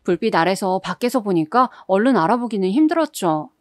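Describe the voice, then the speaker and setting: A woman's voice: medium pitch, animated, a little fast, a little mellow, no room sound, clean studio sound. A woman reading a first-person story as a radio-style narrator, in a confiding storytelling manner.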